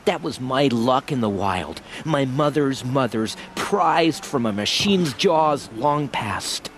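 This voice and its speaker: A proud, nervous tribal hunter in a game. His mid-range voice swings in animated, expressive turns as he justifies himself. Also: mid-range voice, takes it slowly, slight background noise. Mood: defensive. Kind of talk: video game dialogue acting.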